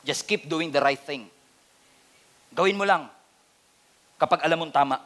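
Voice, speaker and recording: Speaking at a measured pace in a somewhat high male voice, a pastor from the Philippines delivers a humorous, spirited sermon. He blends Tagalog with English and has a Filipino accent.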